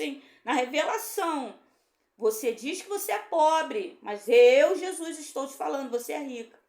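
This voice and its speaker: High-voiced woman pastor preaching. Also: roomy sound. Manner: emotional, conversational, frequent rhetorical tags. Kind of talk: personal testimony sermon.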